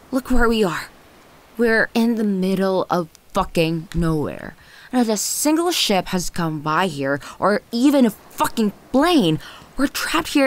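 A woman playing a possessive, manipulative ex-girlfriend in an ASMR audio roleplay, condescending and volatile, with teasing, lingering, breathy delivery. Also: mid-range voice. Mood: agitated, scornful. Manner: condescending, teasing, lingering on words, often breathy half-whispers.

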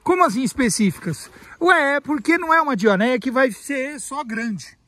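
High-voiced chatty Brazilian man outdoors. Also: lively intonation, moderate pace, bright, forceful tone, a little hiss or hum. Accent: Brazilian Portuguese. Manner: chatty and playful, mispronounces words on purpose. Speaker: carnivorous plant grower and channel host. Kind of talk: casual vlog chat. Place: outdoor garden by a pool. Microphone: phone built-in mic, no external mic.

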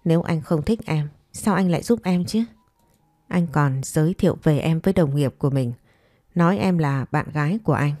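Woman reading as pleading, clinging ex-girlfriend, low-voiced. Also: normal speed, mellow, dry recording, studio quality, soft background music, close to an everyday voice. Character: clinging, reproachful young woman pleading with her former lover. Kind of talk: fireside storytelling, romance story dialogue.

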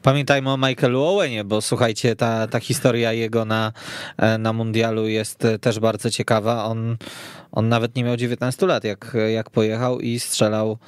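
A man with a clean, resonant, medium-pitched voice hosts a casual sports discussion. The studio sound is dry and close. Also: flat delivery, normal speed, clear, resonant tone, dry recording. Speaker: podcast host. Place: radio studio.

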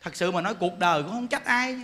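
A Southern Vietnamese monk in his forties preaches in a very high, bright voice, chatty and laughing often. He keeps turning to his listeners with rhetorical questions, over a faint noise. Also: fast. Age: 40s. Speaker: monk giving a Dharma talk. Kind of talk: humorous Buddhist sermon.

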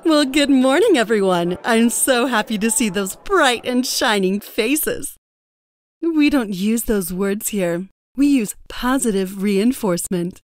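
A woman's voice: fairly high pitch, lively intonation, unhurried, dry recording. A woman voicing an overly happy, encouraging lady with a chirpy, cheerful manner. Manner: bright, cheerful.

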